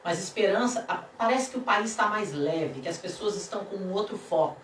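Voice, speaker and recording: A woman's voice: mid-range voice, fairly quick. A woman with a Brazilian accent giving her opinions emphatically on a talk show, dropping in the odd English word. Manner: emphatic, animated, mixes in English words. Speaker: guest immigration lawyer. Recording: echoey room, distant mic, background noise.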